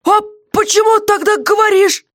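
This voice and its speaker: A woman voicing a gruff, grunting male jailer who yells and blusters but sounds unsure of himself. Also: very high-pitched, normal speed, no echo, studio quality, pitched above the performer's own voice. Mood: yelling. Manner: yelling, blustering.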